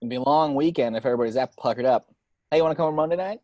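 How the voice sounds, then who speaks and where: A woman's voice: rumbling low, rapid-fire, warm tone, lo-fi sound, a little hiss or hum. A woman playing a wisecracking, griping white-collar office man in an amateur table read. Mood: wry banter. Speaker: table read host and actor. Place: at home, remote table read.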